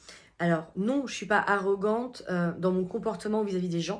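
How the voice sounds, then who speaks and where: Her pitch sits at a medium level for a woman. This woman's voice shows ordinary pitch variation. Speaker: spiritual coach and therapist vlogger. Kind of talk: casual personal vlog monologue. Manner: fast; animated.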